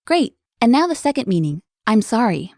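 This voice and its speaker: A woman hosting a language lesson, explaining words clearly in an upbeat, scripted way. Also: a little high, very animated, moderate pace, a little mellow, dry recording, clean studio sound.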